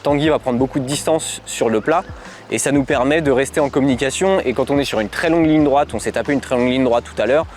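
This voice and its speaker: A man's voice: mid-range voice, quick pace, a little mellow. French guy chatting through a product review, explains stuff, mid voice, bit of outdoor noise behind. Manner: explanatory, conversational. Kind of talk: casual spoken product review. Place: outdoors on a cycling outing. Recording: clear outdoor ambient and traffic noise.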